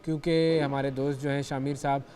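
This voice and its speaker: A man's voice: medium pitch, flat delivery, fairly quick, darkish tone, big-room sound, a little hiss or hum. A man hosting a TV morning show, joking with his guest and giving him encouraging advice in folksy sayings. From Pakistan. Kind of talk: casual TV morning show chat.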